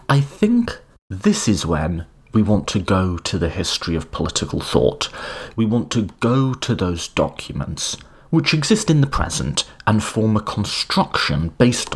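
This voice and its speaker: Brief: male podcast host, husky and animated, conversational lecturer with dry humor. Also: sits low. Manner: conversational lecturing, wry asides. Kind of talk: lecture-style podcast on political thought.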